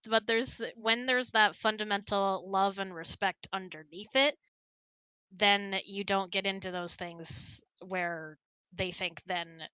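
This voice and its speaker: A woman's voice: medium pitch, steady tone, slow, sharp tone, smooth, dry recording, low-quality recording. A middle-aged woman in casual conversation, talkative and explanatory as she hosts and answers questions. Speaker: host of a couple's hangout. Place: close, dry room on an online voice chat.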